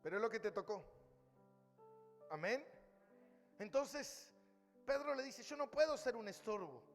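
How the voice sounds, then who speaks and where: A man's voice: sits high, sing-song, unhurried, big-room sound, faint music behind. A male pastor preaching a sermon, emphatic, calling his listeners brother. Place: church hall.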